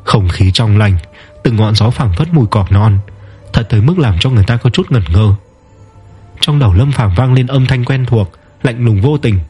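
A man narrating a fantasy story in a steady, measured way. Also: mid-range voice, breathy edge, faint music behind.

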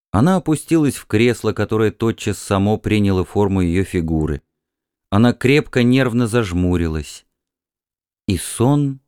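A man narrating a literary story in a measured, expressive storytelling manner. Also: fairly low pitch, clear, resonant tone, dry recording, clean studio sound. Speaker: audiobook narrator.

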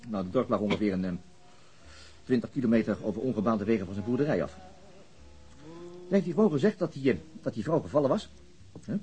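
An actor playing a weary, reticent middle-aged police detective in a naturalistic radio drama, speaking haltingly with murmured filler words. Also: male voice, fairly low pitch, expressive, mellow, close to an everyday voice. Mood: wry storytelling.

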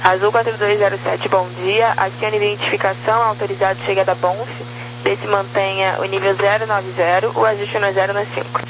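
A woman's voice: medium pitch, level tone, fairly quick. A woman air traffic controller giving businesslike, clipped instructions over a crackly, military-style radio. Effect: crackly military-style radio transmission.

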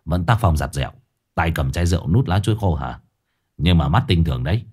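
A man voicing a scarred, newly rich tough guy, talking in a gruff, swaggering way. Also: sits low, expressive, fairly quick, darkish tone, pitched below the performer's own voice.

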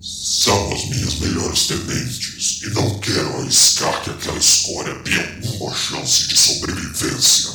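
A man playing a ruthless, arrogant villain commander in an audio drama, commanding and menacing, with a deep gravelly voice. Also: fairly even intonation, moderate pace, few pauses, sharp tone, heavily acted. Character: male villain commander, ruthless, arrogant, obsessed with his plans. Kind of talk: scripted audio drama acting. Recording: echoey, distant, with music behind.

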